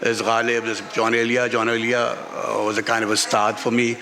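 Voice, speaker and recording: A man with a Pakistani accent answering as an author in an unscripted stage interview, halting and repeating phrases for emphasis. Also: mid-range voice, completely flat delivery, crowd noise. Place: literature festival stage before an audience. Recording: reverberant public-address sound at festival.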